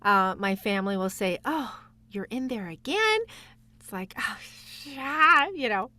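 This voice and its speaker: A woman's voice: medium pitch, expressive, a little slow, bright, forceful tone, dry recording. A woman speaking as a guest voice actor in a casual interview, enthusiastic and reflective.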